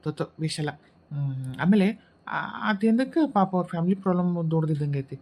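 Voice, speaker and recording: A woman's voice: deep voice, animated, brisk, darkish tone. A woman with a North Karnataka Kannada accent, voicing a sly, grumbling female ghost in a cartoon. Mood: coaxing. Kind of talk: cartoon voice acting.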